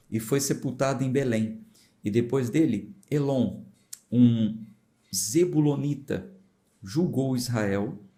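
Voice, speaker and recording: A pastor from São Paulo reads scripture and talks it through in a relaxed, chatty way, turning aside to address his listeners. He has a São Paulo accent and a dark, mellow tone. His pitch sits in an ordinary middle range for a man. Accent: São Paulo Portuguese. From São Paulo, Brazil. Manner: conversational, explains with informal asides to viewers. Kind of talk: Bible reading with explanatory commentary.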